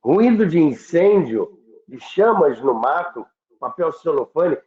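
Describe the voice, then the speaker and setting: High-voiced Brazilian man, phone-like sound. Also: big pitch swings, slow, a little mellow. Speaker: radio history commentator. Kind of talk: conversational storytelling. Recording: thin phone-like sound, roomy echo.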